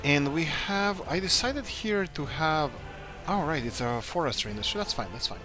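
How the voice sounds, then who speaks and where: A man's voice: fairly high pitch, expressive, normal speed, over music. Man thinking aloud while gaming. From Croatia. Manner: rambling, thinks aloud, upbeat muttering. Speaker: let's play host. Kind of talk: casual gameplay commentary.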